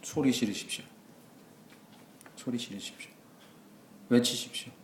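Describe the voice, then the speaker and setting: A man preaching a sermon as pastor, moving between quiet asides and loud exclamations. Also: mid-range voice, measured pace, a little hiss or hum. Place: church sanctuary. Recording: echoey church hall.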